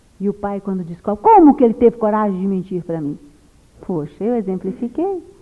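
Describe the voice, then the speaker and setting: An ordinary speaking voice from a woman, medium in pitch, fairly quick, with lively intonation. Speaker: spiritist lecturer. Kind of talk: lecture.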